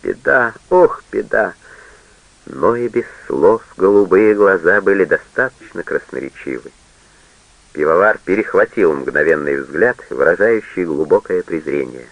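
A man reading a literary novel aloud in a measured, solemn way. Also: low-pitched, animated, no room sound, lo-fi sound. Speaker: audiobook reader. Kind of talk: literary audiobook narration.

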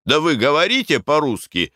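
A man's voice: on the high side, huge pitch swings, moderate pace, pushed and bright, no room sound, studio quality, voice pushed up, exaggerated voice. A man voicing a bluff, easygoing middle-aged Russian merchant with a blunt, hearty manner.

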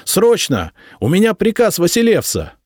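A man voicing a young man disguised as a courtier in an audiobook, speaking in a shrill, squealing rush. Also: huge pitch swings, normal speed, darkish tone, no room sound, studio quality, heavily acted. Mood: urgent.

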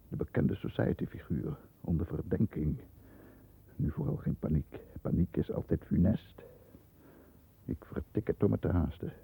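Deep, husky, stern barrister with gravelly edge. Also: male voice, dark tone, exaggerated voice, low-quality recording. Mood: uneasy, self-controlled. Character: stern, controlled barrister shielding his wayward brother, narrating events. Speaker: actor playing narrator and lead. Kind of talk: 1960s Dutch radio thriller acting, first-person narration.

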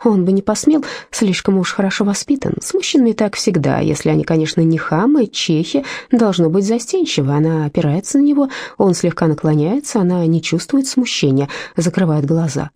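Woman, audiobook narrator, expressive literary reading, animated intonation, warm tone. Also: lowish voice, fairly quick, hardly any pauses, dry recording, studio quality. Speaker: audiobook reader.

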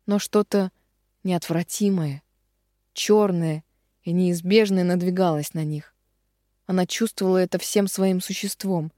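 A woman narrating a romance audiobook dramatically, slowing on the heavy phrases. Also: lowish voice, steady tone, mellow, no room sound, studio quality.

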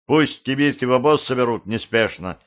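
A man voicing a gruff, commanding middle-aged boyar warrior in an audiobook, mocking and bold in manner. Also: mid-range voice, lively intonation, a little fast, natural voice. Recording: slightly dull lo-fi audio.

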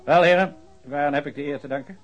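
An actor playing a formal, pedantic police official who reads out a report in stiff officialese. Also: male voice, on the high side, fast talker, faint music behind, natural voice. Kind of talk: radio drama acting.

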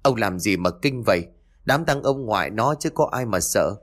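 A man voicing a sharp-tongued rural wife and mother who answers back with quick, scolding retorts in a raised, fast voice. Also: lowish voice, lively intonation. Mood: defiant.

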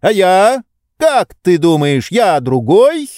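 A man's voice: high-pitched, very animated, slow, a little mellow, no room sound, studio quality, voice pushed up, exaggerated voice. A man voicing a pampered, indolent nobleman who speaks in indignant, reproachful rhetorical questions. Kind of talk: audiobook character reading.

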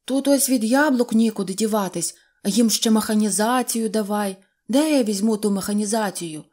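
A woman voicing a boastful, bossy little boy who shouts orders and brags. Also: mid-range voice, normal speed, close to an everyday voice. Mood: bossy shouting. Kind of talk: audiobook character voice.

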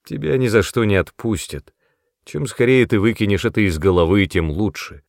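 A man's voice: fairly low pitch, expressive, normal speed, gravelly, no echo, clean studio sound. A man reading a storybook voicing an irritable, self-important young brother who snaps sharply. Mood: angry. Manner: sharp, snapping, louder than the narration. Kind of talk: audiobook character voice.

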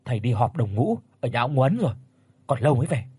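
A man's voice: mid-range voice, big pitch swings, fast, mellow, breathy edge, no echo. A man voicing an anxious peasant mother.

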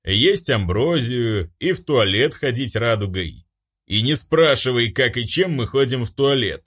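A man's voice: medium pitch, very animated, measured pace, a bit bright, pitched above the performer's own voice. A man playing a pompous solemn angel. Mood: irritated. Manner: solemn, grandiose, then snapping. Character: stern, pompous male angel.

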